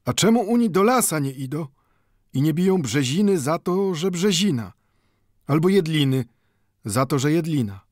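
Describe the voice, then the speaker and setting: A man's voice: fairly high pitch, expressive, normal speed, a little mellow, dry recording, clean studio sound, voice pushed up, lightly acted. A man voicing an old Jewish bookbinder in an audiobook, speaking broken Polish full of "nu" and growing heated as he pleads. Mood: sly. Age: older.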